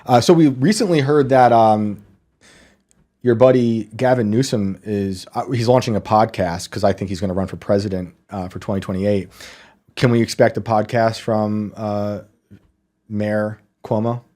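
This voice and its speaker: A man's voice: lowish voice, steady tone, normal speed, warm tone. A man hosting a podcast interview, wry and joking, laughing often. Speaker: podcast host. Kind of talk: casual interview chat.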